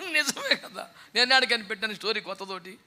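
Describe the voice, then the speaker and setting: A man's voice: high voice, animated, fairly quick, bright, forceful tone, a little hiss or hum. A man preaching a sermon in a scolding, mocking way, often acting out the people he quotes. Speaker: pastor. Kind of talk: fiery sermon.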